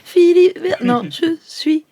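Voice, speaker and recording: A woman's voice: very high-pitched, slow, warm tone. A woman playing a tabletop game, chatting casually and playfully. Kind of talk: casual improvised game banter.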